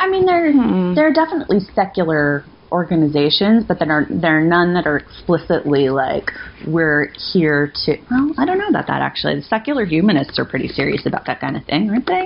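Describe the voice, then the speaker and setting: At a fairly quick pace, speech comes through with noticeable background noise. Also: woman. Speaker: podcast co-host. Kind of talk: casual chat. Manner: cheerful.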